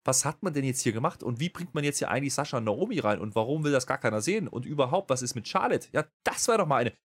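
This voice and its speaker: A man's voice: mid-range voice, fast talker. A man co-hosting a wrestling review podcast, chatting casually, often working himself into a rant with many fillers. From Germany. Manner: animated, ranting with many fillers. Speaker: podcast co-host. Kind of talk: casual chat.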